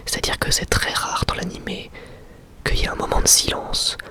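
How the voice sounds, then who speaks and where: A young adult man gives an informal, slangy ASMR review in a breathy, unvoiced whisper. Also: moderate pace. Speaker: ASMR creator and anime reviewer.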